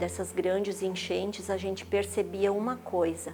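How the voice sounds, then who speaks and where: A woman's very slow speech over background music. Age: 60s. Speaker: flood survivor. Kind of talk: interview testimony.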